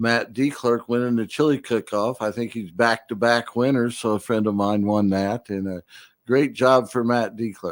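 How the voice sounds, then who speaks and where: With a Midwestern US accent, a man talks at a moderate pace, medium in pitch, with fairly even intonation. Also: very clean recording, silent background. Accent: US Midwest. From central Illinois. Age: 60s. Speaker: mayor. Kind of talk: casual chat.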